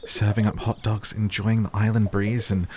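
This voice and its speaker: A smooth-talking hot dog vendor villager, voiced by a male text-to-speech voice. He speaks in a low, flowery, boastful way. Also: level tone, moderate pace, a little mellow, slight background noise, natural voice.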